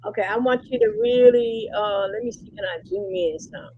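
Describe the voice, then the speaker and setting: Higher-voiced woman teaching an informal webinar. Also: sing-song, moderate pace, vocal fry, narrow, tinny audio. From Cleveland, Ohio. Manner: repeats points, checks in with "all right?". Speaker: presenter teaching about nonprofits. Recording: faint background noise on webinar call.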